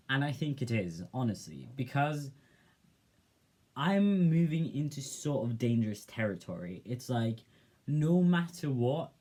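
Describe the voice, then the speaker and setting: Soft-spoken young man musing on camera. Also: medium pitch. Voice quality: soft, gentle voice. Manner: reflective, hesitant, with many fillers. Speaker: vlogger. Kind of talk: casual personal vlog.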